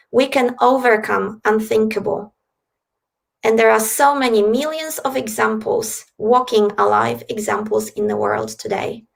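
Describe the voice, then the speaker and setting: Gravelly-voiced woman from Poland. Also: on the high side. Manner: earnest, reflective. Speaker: podcast guest. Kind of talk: interview storytelling.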